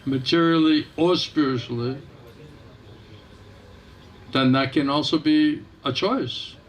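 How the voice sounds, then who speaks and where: Monk speaking gently in a temple hall. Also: male voice, fairly high pitch, fairly even intonation, slow. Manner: gentle, conversational, repeats back. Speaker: monk answering questions. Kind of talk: informal spiritual talk.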